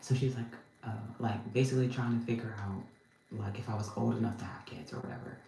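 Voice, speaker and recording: Very deep and low in pitch, a woman speaks very fast in a monotone, flat delivery with big swings in loudness, audible room echo and noticeable background noise. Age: 30s. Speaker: livestreamer. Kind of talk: casual chat. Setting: livestream.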